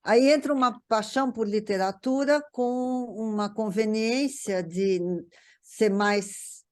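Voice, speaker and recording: Halting Brazilian woman in casual discussion. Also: fairly high pitch, a little mellow. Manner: halting, repeats words while searching for phrasing. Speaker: panel guest discussing a TV writer's work. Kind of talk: casual conversational recollection.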